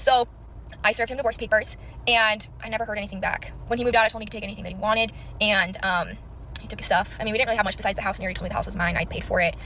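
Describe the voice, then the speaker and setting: A woman's voice: mid-range voice, bright, forceful tone, a little hiss or hum. A young woman with a Utah accent telling a personal story casually and chattily, with lots of filler likes. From Utah, USA. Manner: chatty, many likes and self-quotes.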